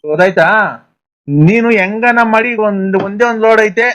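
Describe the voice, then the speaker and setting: Pushy high-voiced rural man. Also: normal speed, fairly bright tone. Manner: pushy, coaxing, insistent. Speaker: comedy performer. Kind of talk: rural prank-call comedy dialogue.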